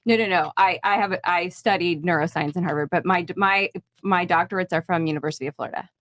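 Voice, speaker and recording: Sex: woman. Role: podcast guest. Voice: lowish. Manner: flustered, stumbling. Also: quick pace, a bit bright.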